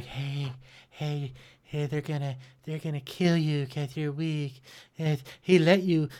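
Someone speaks in a put-on character voice with monotone, flat intonation at a very slow pace. The recording is very clean, with a silent background. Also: man, fairly high pitch for a man. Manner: creepy, taunting.

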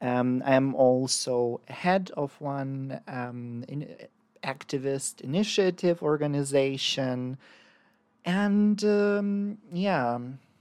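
Her voice very deep and low, a woman speaks very slowly with lively intonation. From Ukraine. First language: Ukrainian. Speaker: cultural blogger and podcast host. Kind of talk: casual chat. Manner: animated, laughs often.

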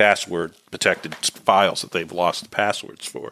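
In a very clean recording over a silent background, dry and close with no echo, a man with a slight New England accent speaks with a very deep, low pitch and fairly even intonation. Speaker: financial modeling consultant. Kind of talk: interview, casual technical chat. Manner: hesitant, many fillers and restarts.

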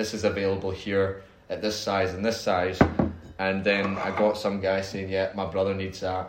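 Noticeable background noise and audible room echo surround a man speaking at a moderate pace, his fairly low pitch monotone and flat. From Scotland, West Coast. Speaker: real estate agent, podcast co-host. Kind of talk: casual chat.

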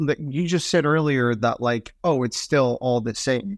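Here a man speaks in a medium pitch with ordinary pitch variation. The background is quiet. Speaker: podcast co-host. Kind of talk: casual interview.

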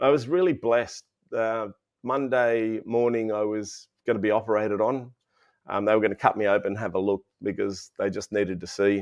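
In an Australian accent, a man talks at a fairly low pitch with ordinary pitch variation. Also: moderate pace, quiet background. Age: 50s. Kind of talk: casual interview. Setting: video call. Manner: jovial, laughs often.

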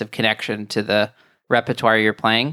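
This man speaks at a moderate pace in medium pitch with an unremarkable speaking voice, on a very clean recording with a silent background and a dry, close sound with no echo. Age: 30s. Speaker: podcast host and trumpet player. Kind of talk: casual interview.

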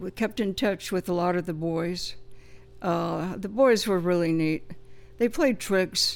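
Fairly slow speech from a woman at a medium pitch, with music in the background. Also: ordinary pitch variation. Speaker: author. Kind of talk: interview. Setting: radio studio. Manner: halting.

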